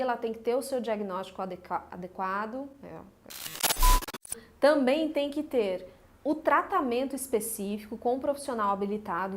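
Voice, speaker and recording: A woman from Minas Gerais with a Mineiro accent, giving a lively, emphatic video lesson as a speech coach, with humorous asides. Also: on the high side. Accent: Mineiro Brazilian Portuguese. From Minas Gerais, Brazil.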